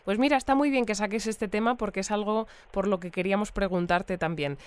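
Female radio host for audio drama played by a woman: Spain accent, composed, orderly, smooth voice, dry close sound. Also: medium pitch, a little fast, no echo, close to an everyday voice. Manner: orderly, courteous. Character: composed female community radio news presenter. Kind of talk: radio bulletin and interview.

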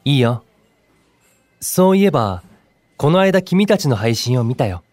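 An actor playing a kind, composed young male idol in an audio drama, speaking as a friendly, encouraging senior with gentle wording. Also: medium pitch, big pitch swings, a little slow, dry recording. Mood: helpful. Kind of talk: Japanese audio drama acting.

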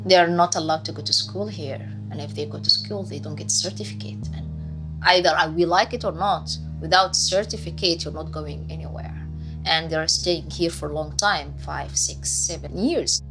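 Brief: woman, 30s, lowish voice, heartfelt and candid, clear guitar music underneath. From Sudan. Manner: candid, heartfelt, slightly halting non-native English. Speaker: refugee teacher. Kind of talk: personal testimony. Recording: music playing behind.

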